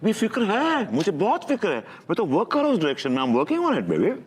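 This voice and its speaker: An actor playing a lazy husband who breezily dodges blame, slipping into English. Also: male voice, high-pitched, huge pitch swings, a little fast. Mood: breezy.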